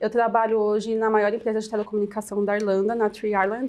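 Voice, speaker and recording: Her fairly high voice runs at a very fast pace with monotone, flat intonation. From Brazil. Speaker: tech recruiter. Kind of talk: interview testimony.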